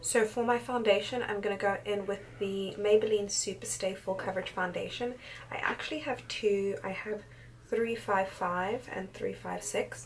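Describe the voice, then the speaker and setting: A woman whispers at a moderate pace. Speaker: beauty vlogger. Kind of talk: tutorial. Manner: whispering.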